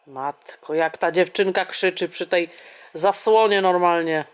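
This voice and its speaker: A woman's voice: lowish voice, fairly even intonation, measured pace, clean tone. A woman vlogging at home with her baby daughter, exclaiming, laughing and talking both to the child and to the viewers. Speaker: vlogger mother. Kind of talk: casual home vlog. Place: home indoors.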